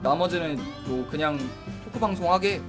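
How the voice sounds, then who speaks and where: A man streams live over music, his fairly high voice moving at a normal pace as he reasons about reviewing novels. Reading and answering chat, he often stops to correct himself and says he doesn't speak with a dialect.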